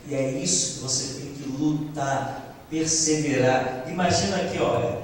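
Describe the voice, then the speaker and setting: A man's voice: a little high, a little hiss or hum. A male preacher delivering an impassioned sermon and acting out biblical dialogue. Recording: echoey hall, distant mic.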